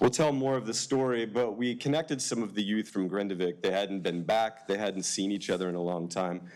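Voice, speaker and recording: In a General American accent, a man with an unremarkable speaking voice talks fairly quickly at a fairly low pitch with ordinary pitch variation. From United States. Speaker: professor. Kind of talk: conference talk.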